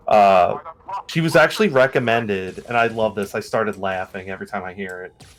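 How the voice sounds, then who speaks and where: A man's voice: lowish voice, moderate pace. Tired man with a northeastern US accent. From northeastern United States. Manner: rambling, restarts, animated storytelling. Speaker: gamer on a stream. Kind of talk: casual chat while gaming.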